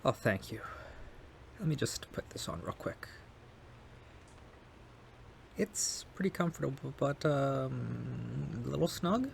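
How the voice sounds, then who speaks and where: A man's voice: mid-range voice, expressive, measured pace, creaky, slight background noise. A man playing a shy, polite and kind young male neighbor in an intimate ASMR roleplay, speaking hesitantly and apologetically, with stammers. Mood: grateful, shy.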